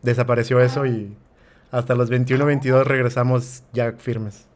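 A man's voice: medium pitch, little pitch movement, normal speed. A man co-hosting a podcast, thoughtful and a bit hesitant as he speaks. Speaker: podcast co-host. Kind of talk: casual podcast interview.

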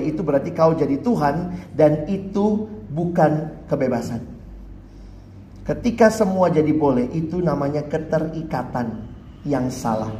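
A man's voice: a little high, warm tone, roomy sound, slight background noise. A man preaching to teenagers as a youth pastor, telling stories animatedly and acting out voices. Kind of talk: sermon to teenagers.

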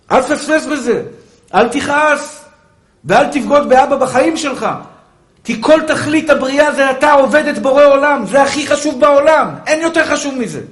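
Fervent high-voiced preaching man. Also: echoey room. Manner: fervent preaching with sudden soft, coaxing asides; calls listeners "my brother" and "pure soul". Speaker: rabbi. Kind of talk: sermon.

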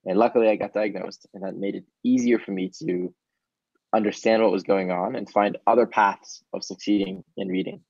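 A man's voice: on the low side, darkish tone, no echo, highs cut off. A man whose first language is Hebrew, a startup founder giving casual, earnest interview answers with frequent ums.

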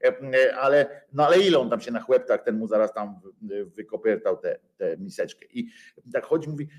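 A man riffing through a loose satirical monologue, mocking and crude. He swears freely and keeps stalling on filler sounds, restarting his sentences as he goes. His voice sits at an ordinary middle pitch. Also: animated, moderate pace. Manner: sarcastic, profane, full of hesitations.

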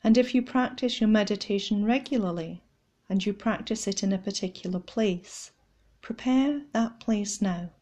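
A woman leading a guided Christian meditation in a gentle, measured, instructional way. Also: mid-range voice.

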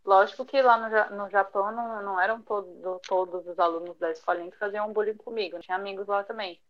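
A woman's voice: mid-range voice, steady tone, quick pace, muffled recording. A young woman, a podcast guest talking casually with lots of fillers and light laughs. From São Paulo, Brazil. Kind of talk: conversational interview.

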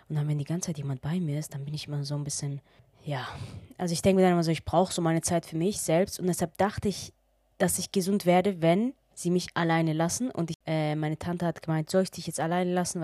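A woman's voice: sits low, warm tone, no echo, clean studio sound. A woman in her twenties from Germany, hosting a podcast and chatting casually through a storytime with lots of quoted dialogue. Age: 20s. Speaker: podcast host.

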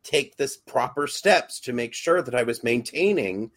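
A man's voice: mid-range voice, expressive, measured pace, fairly bright tone. Hesitant young man, lots of ums. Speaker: podcast co-host and actor. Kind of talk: casual podcast chat.

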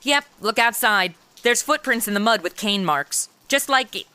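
A woman's voice: on the high side, expressive, moderate pace, background noise, close to an everyday voice. A woman playing a brash, flippant twenty-something amateur detective in a comedy audio drama, with sassy, slangy delivery. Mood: wry. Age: 20s. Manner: sassy, slangy, self-absorbed wisecracking. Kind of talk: comedy audio drama acting with wry narration.

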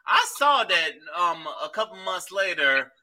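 A man hosting a podcast in casual chat, loose and profane and quick to laugh. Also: high-pitched, very animated, pushed and bright. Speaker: podcast host.

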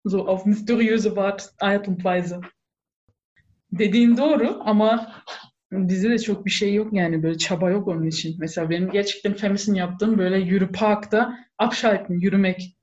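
A woman's voice: medium pitch, steady tone, normal speed, darkish tone. Casual conversational woman, mixes in phrases, slightly lo-fi sound. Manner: mixes in German words and phrases. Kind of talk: casual chat.

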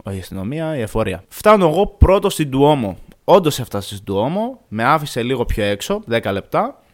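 Guy in his 20s from thessaloniki, mid pitch, chatty storytime vlog, swears casually. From Thessaloniki, Greece. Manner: animated, acts out dialogue, swears casually. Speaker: vlogger.

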